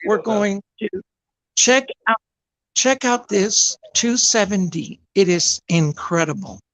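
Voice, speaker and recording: A man touring a cruise ship on a phone video call, his connection breaking up as he walks and talks enthusiastically in halting bursts. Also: high-pitched, animated, fairly bright tone, low-quality recording. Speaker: travel agent. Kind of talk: live video-call tour.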